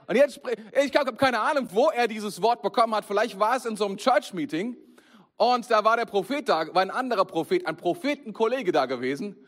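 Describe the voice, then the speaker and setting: A man delivers a sermon with a fairly high voice. He speaks in a lively, conversational way and keeps turning straight to his listeners. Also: a little fast. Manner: lively, conversational, addresses the congregation directly. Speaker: preacher.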